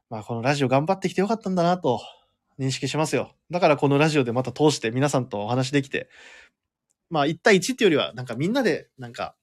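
A man hosting a live radio show alone, chatting in a relaxed way, laughing often as he reads listener comments. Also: on the high side.

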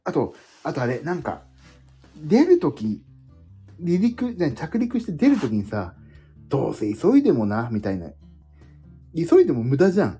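Middle-aged guy rambling on his livestream, pitch bouncing all over, soft mellow voice, faint guitar behind. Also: breathy edge. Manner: rambling, self-deprecating, chatty, jumping between topics. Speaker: livestream host. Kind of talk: casual solo livestream chat.

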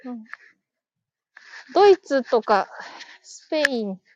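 A woman's voice: on the high side, sing-song, slow pace, darkish tone, dull audio, slight background noise. A woman hosting a casual live stream, chatting, laughing and reading listener comments aloud as she thanks each viewer. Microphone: phone.

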